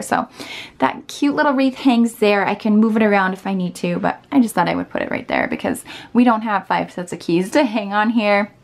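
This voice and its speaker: Woman, 30s, upbeat and chatty home vlogger, handheld phone in a small room. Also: mid-range voice. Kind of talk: casual home tour chat. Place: small indoor laundry room. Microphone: handheld phone camera.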